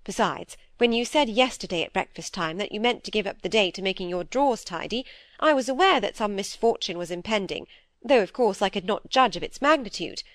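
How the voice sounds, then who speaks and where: A woman voicing a severe, brisk elderly spinster who speaks in a commanding, impatient way. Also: medium pitch, lively intonation, dry recording, lightly acted. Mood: stern.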